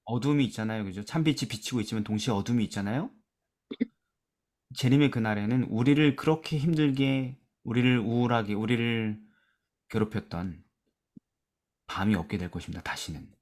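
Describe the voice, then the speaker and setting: A man leading a church Bible study discussion, asking questions and reading verses aloud, trailing off softly at the ends of phrases. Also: fairly quick. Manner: asks questions and drops to a soft low voice at phrase ends; reads scripture aloud with emphasis.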